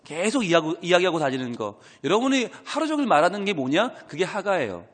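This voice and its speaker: A man's voice: sits high, very animated, brisk, long reverb tail. A male pastor giving an early-morning prayer sermon, earnest and full of rhetorical questions, breaking into acted-out prayers. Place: church sanctuary.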